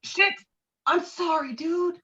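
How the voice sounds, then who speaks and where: A woman's voice: very high-pitched, slow, bright, forceful tone, dull audio, full character voice. A woman playing a hot-headed, pompous middle-aged male veteran and bowler in an online script read. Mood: flustered, apologetic. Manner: blustering, pompous, foul-mouthed. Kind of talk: virtual table read of a film script. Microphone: video call.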